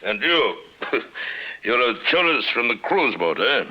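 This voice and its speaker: A man's voice: medium pitch, big pitch swings, a little slow, slightly rough, highs cut off. An actor playing a mocking, contemptuous male gang leader who carries a knife. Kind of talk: 1950s radio drama acting.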